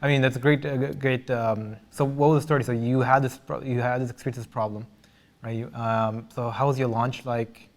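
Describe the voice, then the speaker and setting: A man's voice: mid-range voice, fairly even intonation, brisk. A man hosting a casual interview, asking rambling questions that he often corrects midway. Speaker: podcast host, interviewer.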